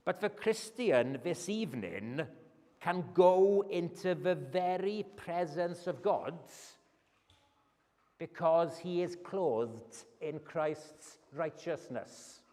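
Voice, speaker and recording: Slow Welsh preacher, echoing church. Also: male voice, fairly high pitch, a little mellow. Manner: earnest, emphatic, rising on key phrases. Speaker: guest preacher. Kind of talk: evening sermon. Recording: long church reverb.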